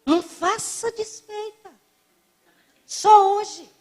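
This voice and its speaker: A woman's voice: very high-pitched, drawn-out words, darkish tone, voice pushed up, exaggerated voice. A woman putting on the voice of a tiny, thin older woman who sweetly and insistently coaxes someone to eat more. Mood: coaxing. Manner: coaxing, insistent.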